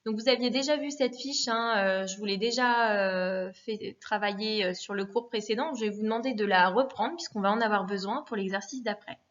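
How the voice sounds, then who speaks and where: A woman teaching a lesson in a patient, methodical way, repeating forms and pausing with fillers. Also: medium pitch, a bit bright. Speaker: Spanish teacher. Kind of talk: recorded classroom lesson. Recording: dull lo-fi recording.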